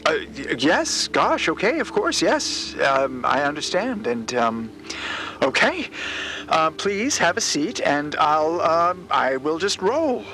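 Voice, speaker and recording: A man's voice: a little high, very animated, slow pace, pushed and bright, a little hiss or hum, full character voice. A man playing a nervous, eager, apologetic journalist in an audio drama, stammering and effusively polite. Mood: flustered gratitude. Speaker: actor in a fiction podcast. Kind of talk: naturalistic audio drama acting.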